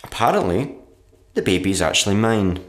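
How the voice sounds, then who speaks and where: A man playing a sullen, sardonic writer narrating his diary in a black comedy radio play, dry and deadpan. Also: on the low side, fairly quick. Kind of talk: dramatic monologue, diary narration in a black comedy audio drama. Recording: roomy echo with background noise.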